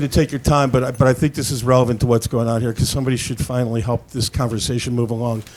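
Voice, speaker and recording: A man rattles along at a very fast pace while noticeable noise plays behind him. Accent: American. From Chicago, US Midwest. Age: 60s. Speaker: audience member at campus event. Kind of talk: audience question at public debate. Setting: university classroom with audience.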